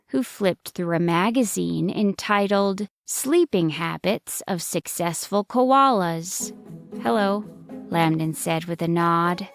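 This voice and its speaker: A woman narrating a scripted bedtime story for children as the storyteller. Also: lowish voice.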